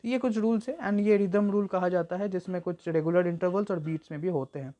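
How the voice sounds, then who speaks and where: A woman's voice: on the low side, warm tone. Woman tutor explaining exam answers. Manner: reads English examples slowly and deliberately; explanatory, repeats points, frequent fillers. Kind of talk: exam-prep lecture mixing Hindi and English.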